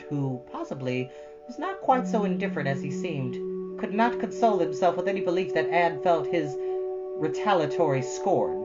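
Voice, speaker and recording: Woman storyteller, lowish voice, very lively intonation, dramatic emphasis, chatty asides, music underneath, slightly muffled. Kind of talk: expressive children's book reading with chatty asides.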